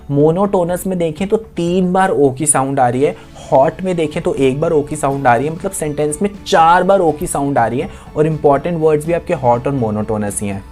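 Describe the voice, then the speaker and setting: A man's voice: on the high side, a little mellow. A man runs an online exam-prep lesson, quizzing his students and going over each point more than once. He keeps stopping to check in with them, and faint music plays underneath. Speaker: online tutor.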